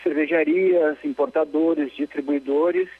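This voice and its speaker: A man's voice: fairly high pitch, fairly even intonation, measured pace, slightly rough. A man, calling in by phone to explain a beer festival. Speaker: phone caller, beer trade. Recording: tinny phone line.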